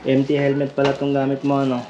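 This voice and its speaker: A man's voice: mid-range voice, monotone, brisk. A Filipino man hosting a vlog, chatting casually and jokingly while demonstrating a product in an informal, buddy-like way. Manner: jokey, informal, addresses listener as brother. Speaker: vlog host giving away and demonstrating a product. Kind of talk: casual chat and hands-on demonstration. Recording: noisy lo-fi recording with vehicle ambience.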